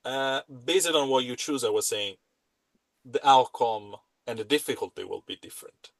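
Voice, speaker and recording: A man running a tabletop game as game master, with slow, dramatic narration. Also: mid-range voice, creaky, no room sound.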